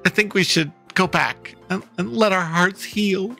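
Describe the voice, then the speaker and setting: Sulky, dramatic young fan-club woman from a game, pitched high with a bright, gravelly edge, as a man puts her on. She whines and complains with lively swings in her voice. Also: unhurried, faint music behind, heavily acted.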